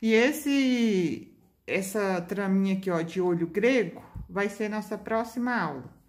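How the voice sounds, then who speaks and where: A woman talks at a fairly slow pace in a plain, everyday voice, her pitch medium with ordinary variation. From Minas Gerais, Brazil (Belo Horizonte). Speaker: beadwork craft video creator. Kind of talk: casual vlog answering viewer comments.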